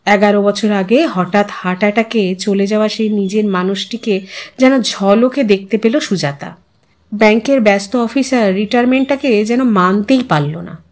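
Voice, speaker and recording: A woman narrating a literary audio story in an expressive storytelling style. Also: mid-range voice, moderate pace.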